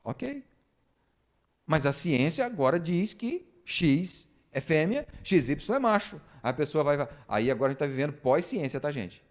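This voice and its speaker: Animated pastor preaching, higher voice. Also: male voice, measured pace. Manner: animated preaching, asks the congregation rhetorical questions. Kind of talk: sermon. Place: church service.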